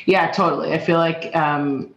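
A woman from Boston, in her thirties, speaking as an interview guest in a warm, chatty way with frequent ums and likes. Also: deep voice, fairly even intonation, moderate pace, muffled recording. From Boston, USA. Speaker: guest, tech author. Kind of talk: casual interview.

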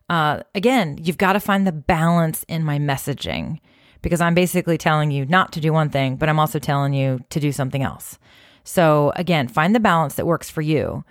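A woman's voice: low voice, no room sound, clean studio sound. A woman hosting a social media tips video, talking straight to her viewers in an encouraging, conversational way with plenty of casual fillers. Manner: encouraging, conversational, many "you know" fillers. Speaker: social media marketing host. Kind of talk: direct-to-camera advice talk.

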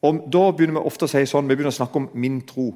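A man's voice: medium pitch, steady tone, mellow. A man preaching a sermon in a conversational way, talking straight to his listeners. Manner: conversational, addresses listeners directly. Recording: long hall reverb.

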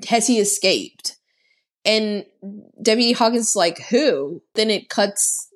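Woman podcast host, sarcastic movie recap, says like a lot, mid pitch. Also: a bit bright. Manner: chatty and sarcastic, heavy use of "like". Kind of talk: casual film recap.

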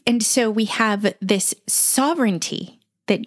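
A woman co-hosting a Bible study, discussing scripture conversationally with reflective, measured phrasing. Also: medium pitch, dry recording, clean studio sound. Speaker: Bible study podcast co-host.

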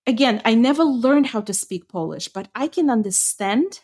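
A woman's voice: a little high, animated, moderate pace, darkish tone, slightly rough. Middle-aged woman, thoughtful. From Ukraine. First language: Ukrainian. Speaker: podcast co-host. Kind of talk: casual chat.

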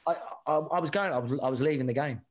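A man's voice: a little high, very fast, lo-fi sound. Chatty man telling stories. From England. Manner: animated, repeats words and restarts, says "mate". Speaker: rugby sevens coach, guest. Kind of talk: candid conversational storytelling.

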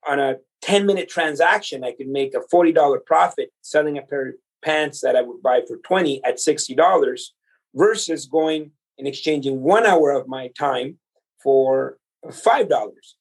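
A man's voice: fairly high pitch, normal speed, breathy edge, poor audio. A man in his forties from El Salvador, a podcast guest telling his life story in an earnest, motivational way. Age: 40s. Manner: earnest, motivational, speaks to the listener directly. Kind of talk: conversational storytelling.

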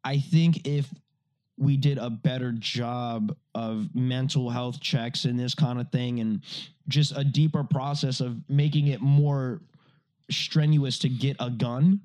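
A man's voice: medium pitch, takes it slowly. A man co-hosting a podcast, swearing freely and telling stories in casual chat. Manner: profane, animated storytelling. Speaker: podcast co-host.

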